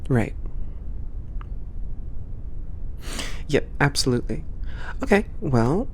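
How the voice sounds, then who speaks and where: A performer with a mid-pitched voice playing a calm, supportive space port boss in a one-sided roleplay, reassuring and softly professional. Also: moderate pace, slight background noise, lightly acted, poor audio. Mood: accommodating. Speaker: ASMR roleplay voice actor.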